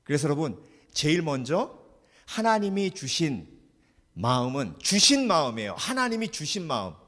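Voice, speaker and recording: A male pastor preaches with a lively voice that rises and falls widely, sitting fairly high for a man. He keeps asking his congregation questions and answering them himself. His voice rings out in a long church-hall reverb. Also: moderate pace. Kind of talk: sermon. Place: church sanctuary.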